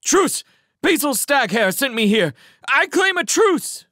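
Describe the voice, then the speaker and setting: A man voicing a brave young male mouse in a storybook reading, speaking eagerly and earnestly, often loud. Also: medium pitch, lively intonation, moderate pace, no echo, clean studio sound, pitched above the performer's own voice, lightly acted. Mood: yelling. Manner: eager and earnest, calling out loudly.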